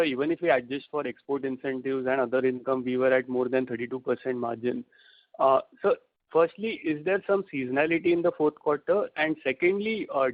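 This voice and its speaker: A man's voice: medium pitch, dry recording. A man calling in as a financial analyst, asking questions in a polite, businesslike way over a phone handset. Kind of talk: asking questions on an earnings call. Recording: dry, tinny phone handset line.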